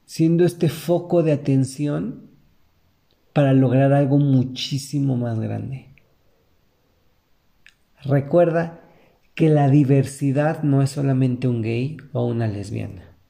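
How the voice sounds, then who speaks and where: Slow, very dark-voiced Mexican man. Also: medium pitch, gravelly. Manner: earnest, motivational, speaks to the listener directly. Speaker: podcast host. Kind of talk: reflective podcast monologue.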